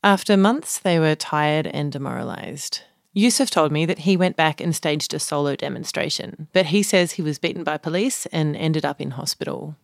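A woman reporter narrating a documentary podcast in a calm first-person storytelling manner. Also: low voice, normal speed, creaky, hardly any pauses, no room sound, clean studio sound. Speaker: reporter and co-host.

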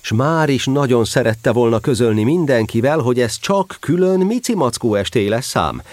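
A man narrating a children's story in an expressive storytelling style. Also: medium pitch, dry recording.

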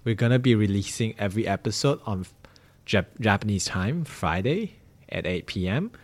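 A man's voice: fairly low pitch, animated, moderate pace. A young man from Malaysia hosting a casual podcast, rambling with lots of fillers. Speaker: podcast host. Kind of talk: casual chat.

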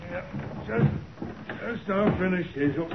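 A man's voice: high voice, moderate pace, noisy background. A man playing a crude, cruel gangster henchman with a thuggish, slangy American delivery in a 1940s radio crime drama. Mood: agreeable, gloating. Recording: muffled, phone-like vintage radio with background hubbub.

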